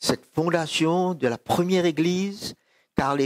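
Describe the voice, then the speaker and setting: The recording is very clean, with a silent background and a dry, close sound with no echo. A man speaks in a high-pitched voice. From Mauritius. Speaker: visiting pastor. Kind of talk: sermon. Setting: church.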